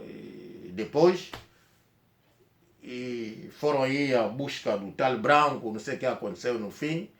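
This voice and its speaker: Angolan man, rambling storyteller, roomy sound. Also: mid-range voice. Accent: Angolan Portuguese. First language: Kikongo. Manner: rambling, halting, with frequent restarts. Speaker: vlogger. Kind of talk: personal storytelling to camera.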